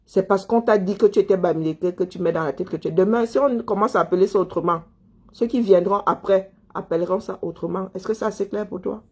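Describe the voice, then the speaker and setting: A woman's voice: mid-range voice, brisk, a little mellow, husky. A woman delivering a heated monologue, scolding a listener, repeating herself and firing rhetorical questions. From Cameroon. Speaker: commentator answering viewers.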